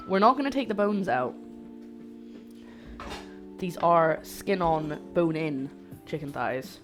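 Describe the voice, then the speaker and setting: A young woman with a faint Scottish accent chats loosely to her stream audience as she cooks at home. Her voice sits on the low side, and she rambles in an easygoing way. Quiet music plays underneath. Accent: light Scottish-English mix. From Scotland. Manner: chatty, rambling, talks to chat. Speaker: cooking streamer. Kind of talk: casual live-stream chat while cooking. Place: home kitchen.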